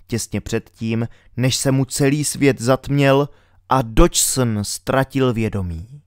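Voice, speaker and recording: A male audiobook reader tells a thriller with steady, dramatic delivery. His voice sits at a middle pitch and is recorded close and dry, with no room sound. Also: smooth, no echo. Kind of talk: audiobook narration.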